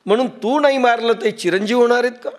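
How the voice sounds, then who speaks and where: A man with a Marathi accent preaching a sermon, telling stories with acted-out quotes and everyday examples, and chanting scripture verses slowly. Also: very high voice. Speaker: spiritual teacher.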